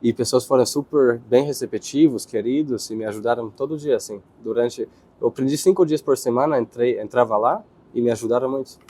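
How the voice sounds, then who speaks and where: A young man from Israel with an Israeli accent, answering interview questions in his second language, pausing and searching for words. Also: mid-range voice, dark tone. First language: Hebrew. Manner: hesitant, searching for words, with restarts.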